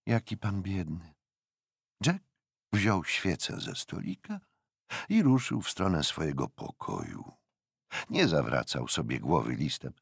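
A man narrating an audiobook with an expressive, dramatic reading. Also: a bass voice, a little slow, creaky, husky, dry recording, clean studio sound. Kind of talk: scripted narration. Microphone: studio microphone.

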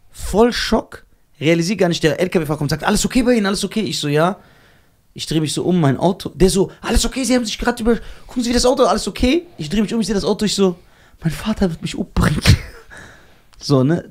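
A young man from Germany telling a story on a casual podcast, animated and laughing at himself as he acts out the voices of the people in it. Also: on the high side. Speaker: podcast co-host.

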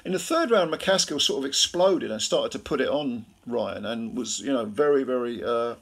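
Tired gravelly man recapping a fight. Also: mid-range voice, animated, moderate pace. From Britain. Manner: rambling with many fillers and restarts. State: tired, late at night. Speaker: boxing commentator.

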